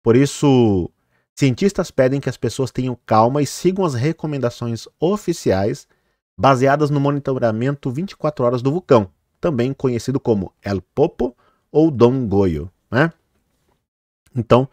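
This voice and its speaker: A man's voice: mid-range voice, a little mellow, dry recording, studio quality. Chatty man commenting over news footage. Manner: chatty, fillers like "né" and "olha, gente"; trips over hard names. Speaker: vlogger.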